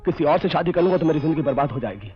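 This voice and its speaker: A man's voice: a little high, animated, very fast, lo-fi sound, over music, lightly acted. An actor playing a hot-headed young man in love in an old film drama. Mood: contrite. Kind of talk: 1980s film drama acting.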